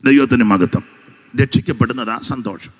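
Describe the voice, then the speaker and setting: A man preaching a sermon with a hoarse voice, emphatic, counting out his points and making asides to the congregation, into an amplified microphone. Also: mid-range voice, a little fast.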